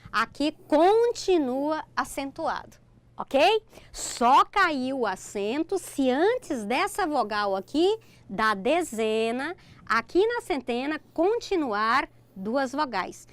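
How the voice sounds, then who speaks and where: In this recorded online grammar lesson, a middle-aged Brazilian woman speaks slowly in a high, sing-song voice with a Brazilian Portuguese accent. She walks through the material step by step, often pausing to ask "ok?".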